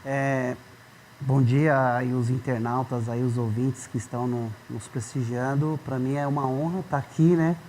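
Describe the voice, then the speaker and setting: Mellow, nervous man in his forties. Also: medium pitch, fairly even intonation, moderate pace, a little hiss or hum. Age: 40s. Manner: polite, a bit nervous, fills with "né". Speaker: guest. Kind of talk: interview testimony.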